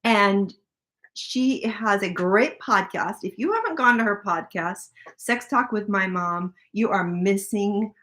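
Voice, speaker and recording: An older woman co-hosting a live stream, chatting casually and plugging the show with upbeat, warm-hearted energy. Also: mid-range voice, slow. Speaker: livestream co-host. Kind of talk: casual livestream chat.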